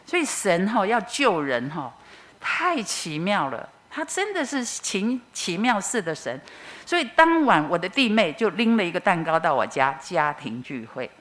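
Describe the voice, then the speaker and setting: A middle-aged woman with a Taiwanese Mandarin accent, giving a personal testimony at church as an expressive storyteller. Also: lowish voice, moderate pace.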